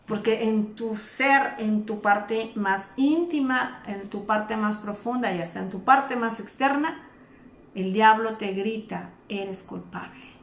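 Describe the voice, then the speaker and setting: A woman preaching an informal sermon, animated and acting out the people she speaks of. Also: a little high, slow pace, roomy sound. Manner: animated, acts out imagined speakers.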